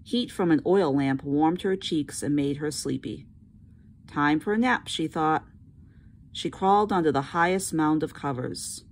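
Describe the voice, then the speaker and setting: A woman teacher reading a children's storybook aloud with expressive narration. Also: low voice, unhurried, slight background noise.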